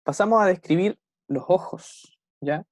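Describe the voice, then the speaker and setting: A young man with a Chilean Spanish accent teaches English vocabulary over a video call. His voice sits a little high, and the sound is close and dry. He slows carefully on each English example. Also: no room sound. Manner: keeps checking in with "¿cierto?" and "¿ya?"; slows right down to model English phrases. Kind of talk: online class explaining vocabulary.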